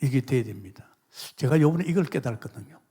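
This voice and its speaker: A middle-aged man preaching a sermon, telling his own testimony with emphatic exclamations and hushed asides, acting out the voices he quotes. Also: medium pitch, expressive, fast talker, slightly rough, in a large hall. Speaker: pastor. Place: large church sanctuary.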